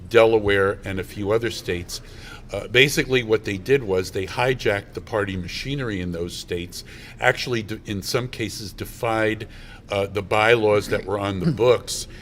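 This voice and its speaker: A man's voice: on the low side, moderate pace, slight background noise. A man who is a guest at a hotel convention, explaining a political dispute firmly and fluently, listing his points. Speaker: party member guest.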